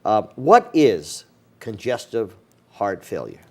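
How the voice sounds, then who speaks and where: A man's voice: fairly low pitch, sing-song, takes it slowly, darkish tone. A man hosting a local TV talk show, who talks in a folksy, rambling way with many fillers and restarts.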